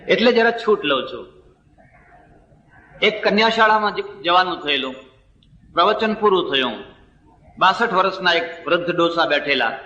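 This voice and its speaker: A man's voice: sits high, pushed and bright. A man with a Gujarati accent giving a spiritual discourse, telling stories and acting out the words of the people in them. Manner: storytelling, acting out dialogue of others. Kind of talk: sermon with told stories. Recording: distant, roomy, dull sound from a hall.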